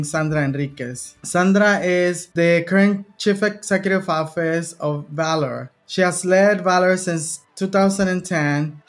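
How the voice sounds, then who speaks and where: A woman hosting a podcast, giving a ceremonial introduction in an effusive, deliberate way. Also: fairly low pitch. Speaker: podcast host.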